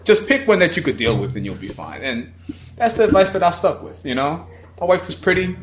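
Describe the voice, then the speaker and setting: A man's voice: fairly high pitch, very animated, fairly quick, slight background noise. A thirty-year-old man chatting casually and jokingly, swearing freely, in a roomy recording. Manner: profane, jokey. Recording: roomy, echoey sound.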